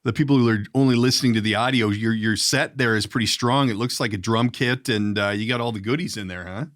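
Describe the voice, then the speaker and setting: A man's voice: on the low side, fast, fairly bright tone, dry recording, clean studio sound. A middle-aged man hosting a casual comedy podcast, joking and conversational as he interviews. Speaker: podcast host.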